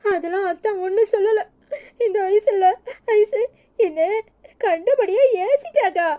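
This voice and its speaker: A sulky young village woman from a cartoon pleads in a Tirunelveli Tamil accent. Her voice is very high yet soft and mellow. She sounds self-pitying. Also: expressive, fairly quick. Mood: crying.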